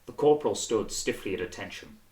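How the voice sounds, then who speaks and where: A man's voice: fairly low pitch, animated, brisk, darkish tone. A man reading a novel aloud as scripted audiobook narration. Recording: roomy, reverberant sound.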